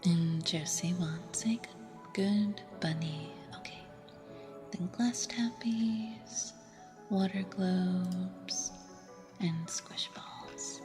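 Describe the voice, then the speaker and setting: A woman hosting an ASMR livestream, chatting casually to viewers in a soft, breathy whisper. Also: fairly low pitch, drawn-out words. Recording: music playing behind. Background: music.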